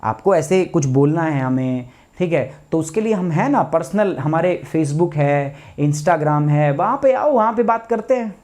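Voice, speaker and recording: A man, a teacher telling a personal story to students in a live online class, chatty and anecdotal. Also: sits high.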